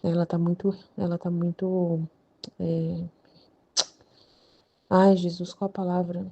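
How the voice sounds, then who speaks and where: A woman hosting a channel reads devotional texts and comments on them casually, chatty and full of filler tags. Her Brazilian Portuguese-accented voice is on the low side, dark, and slow, with vocal fry and little pitch movement, in a muffled recording.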